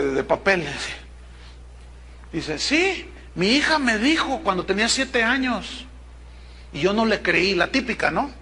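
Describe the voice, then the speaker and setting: A middle-aged man, preaching a sermon as pastor, emphatic with dramatic pauses and acting out the people he quotes. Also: high voice, bright, forceful tone, slight background noise. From Mexico.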